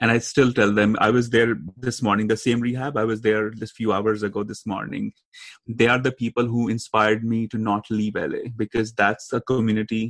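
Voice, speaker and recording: The speaker is a man with a medium-pitched voice. He keeps his intonation flat and monotone. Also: moderate pace, dry, close sound with no echo. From India, Himalayan town. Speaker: meditation and tantra teacher. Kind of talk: interview conversation.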